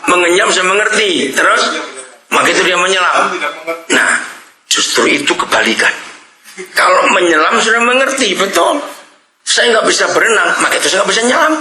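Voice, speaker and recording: An older man preaching a lively sermon, asking the congregation questions and often shouting and laughing. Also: high voice. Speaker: pastor. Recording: echoey room.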